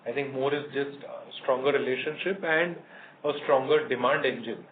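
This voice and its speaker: A man with an Indian accent answering analysts on an earnings call as a company executive, in a measured, hesitant manner. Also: medium pitch, steady tone. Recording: noisy narrowband phone conference line.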